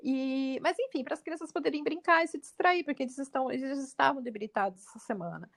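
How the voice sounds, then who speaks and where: A woman with a Brazilian Portuguese accent, co-hosting a podcast and telling stories in lively casual chat, her voice leaping up when she quotes others. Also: quick pace, vocal fry. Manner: animated, jumps pitch when quoting others. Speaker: podcast co-host.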